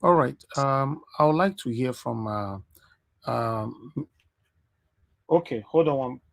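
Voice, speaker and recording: A man's voice: mid-range voice, slow pace, gravelly, a bit bright, no echo. A Nigerian man hosts a live call-in panel in an ordinary mid-range voice. He is polite and keeps moving people along. The sound is dry and close. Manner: polite, repeats thanks to steer callers along. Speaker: host of a call-in panel show.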